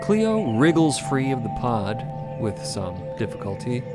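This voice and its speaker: A man narrating a scripted fiction podcast in a deliberate, dramatic way. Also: mid-range voice, sing-song, over loud music.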